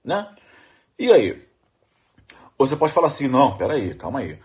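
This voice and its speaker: A man's voice: mid-range voice, wildly swooping pitch, moderate pace, darkish tone. A middle-aged man with a Brazilian Portuguese accent, giving an emphatic law lecture for exam preparation and repeating questions to his audience. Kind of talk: animated exam-prep lecture.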